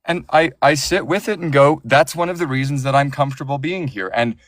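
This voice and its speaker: A man's voice: fairly high pitch, fairly quick, a bit bright, dry recording. Emphatic man, dry close sound. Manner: passionate, opinionated, emphatic with restarts. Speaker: audiobook narrator. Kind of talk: casual conversational interview.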